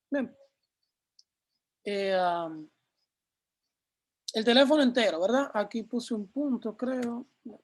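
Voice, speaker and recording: A man with a very high, slightly mellow voice teaches a programming class live, explaining code on screen step by step. He answers his own questions as he goes.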